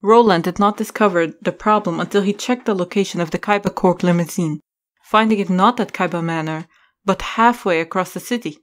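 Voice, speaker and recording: A woman's voice: on the low side, brisk. A woman narrator reading scripted story narration for an audio drama.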